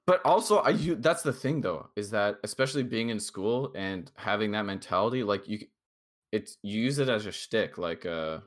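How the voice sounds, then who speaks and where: A tipsy man in his twenties, a podcast co-host, chatting casually in a rambling, halting way full of fillers and restarts. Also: on the low side, animated. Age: 20s. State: tipsy from drinking shots.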